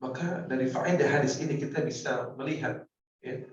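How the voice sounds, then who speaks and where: A man preaching a sermon, telling stories dramatically and swinging from pleading outbursts to hushed lines. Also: mid-range voice, moderate pace. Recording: echoey hall, from far off, dull sound.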